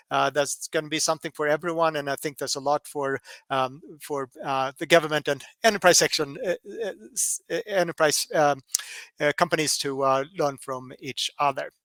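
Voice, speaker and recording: A man from Colorado presenting a workshop webinar, halting with many fillers and restarts. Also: on the high side, a bit bright, dry recording.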